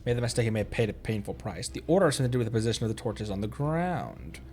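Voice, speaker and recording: A man's voice: lowish voice, sing-song, racing, darkish tone. A man giving casual, joking commentary on a game stream with exaggerated delivery.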